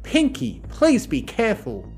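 A performer voicing a serious, cautious female unicorn who speaks in a measured, admonishing way. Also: mid-range voice, big pitch swings, faint music behind, pitched above the performer's own voice.

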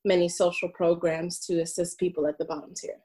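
A woman's voice: fairly low pitch, little pitch movement, brisk, warm tone. A woman in her late thirties who grew up in Brooklyn and whose first language is French. She is a guest in a casual interview, answering with hesitant fillers and frequent laughs. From Brooklyn, USA. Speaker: Air Force sergeant, interview guest.

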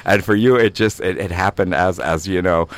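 A man's voice: low voice, normal speed. A middle-aged man hosting a live radio interview, full of fillers, restarts and hesitations. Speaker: radio show host.

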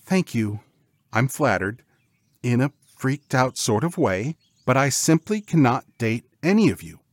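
A man's voice: mid-range voice, sing-song, a little slow, no room sound, pitched above the performer's own voice. A man voicing a proper, exasperated woman schoolteacher in a storybook, with a sarcastic, correcting manner. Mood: apologetic, awkward.

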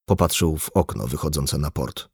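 Calm man reading an audiobook, deep voice, dry close mic. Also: normal speed, husky, dry recording. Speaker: audiobook narrator. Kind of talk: scripted narration.

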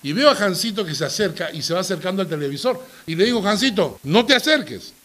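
A man's voice: high-pitched, expressive, fast talker, a bit bright. A middle-aged man, a pastor teaching a Bible study, who tells stories with animation and often checks that his listeners agree.

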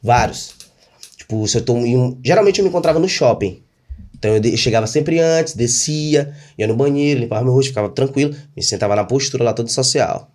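A man with a Brazilian accent, a guest in an interview, telling a personal story in an animated way with lots of fillers. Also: mid-range voice, fairly quick.

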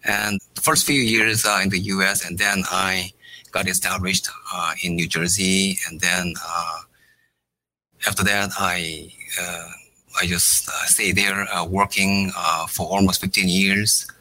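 A middle-aged man from South Korea, a native Korean speaker, answering interview questions in halting phrases full of "uh" pauses. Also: low voice, level tone, pushed and bright, low-quality recording. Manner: halting, many "uh" fillers between short phrases. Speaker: startup founder, guest.

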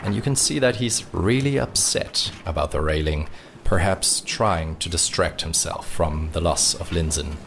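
A man's voice: deep voice, unhurried, vocal fry, a bit bright, slight background noise. A man improvising descriptive narration of his character as a player in a tabletop role-playing game.

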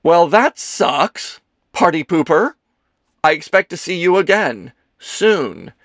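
A man's voice: on the high side, very animated, normal speed, a bit bright, no echo, studio quality, pitched above the performer's own voice. A man voicing a dramatic, bossy, flirtatious actress with a theatrical, exclaiming delivery in an audiobook. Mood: teasing, bossy. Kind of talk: audiobook character dialogue.

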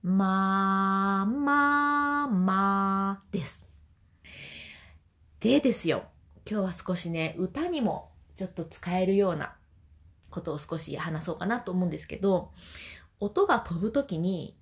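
A woman vocal trainer explaining voice exercises gently and singing short demonstrations. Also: fairly low pitch, lively intonation, moderate pace. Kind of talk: voice training lesson.

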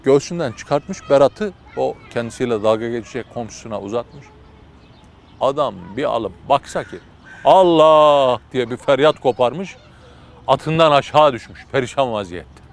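A man's voice: medium pitch, normal speed. A man preaching through a religious story, told vividly and dramatically with casual fillers.

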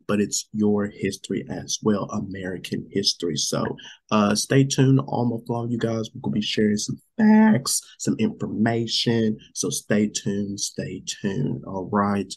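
Sick man with a gravelly husky voice. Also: on the low side, measured pace, darkish tone. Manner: rambling, repeats "you guys" often. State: sick, losing his voice. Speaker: podcast co-host. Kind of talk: casual show chat.

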